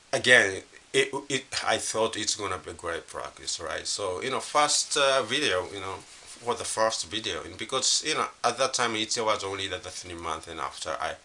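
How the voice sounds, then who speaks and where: A middle-aged man with a Japanese accent, his native language being Japanese, speaks off the cuff in a low voice. It has a heavy creak and a very sharp, forceful brightness. He feels his way along haltingly, repeating himself and leaning on fillers. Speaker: language learner vlogger. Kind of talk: unscripted casual monologue to camera. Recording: hissy recording with faint background noise.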